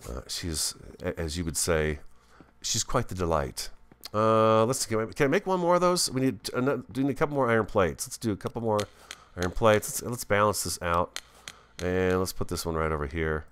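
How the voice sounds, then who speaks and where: A man giving casual, chatty gameplay commentary as a host, thinking aloud and easily excited, talking with a swollen, bitten tongue. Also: on the low side, brisk, clean tone. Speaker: gaming video host.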